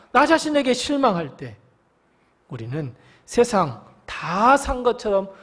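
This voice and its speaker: A male pastor preaching in a high voice that swings widely up and down. His delivery is theatrical: he sinks to a hushed whisper, then climbs to an impassioned cry. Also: breathy edge. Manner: dramatic preaching that drops to whispers and rises to loud cries. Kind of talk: sermon.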